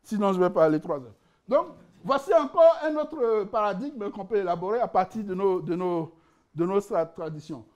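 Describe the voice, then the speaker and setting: A man with a high-pitched voice delivers a conference lecture with lively energy, joking and laughing at his own asides. He restarts phrases often, repeating words as he works toward a point. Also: moderate pace. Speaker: conference speaker presenting his book.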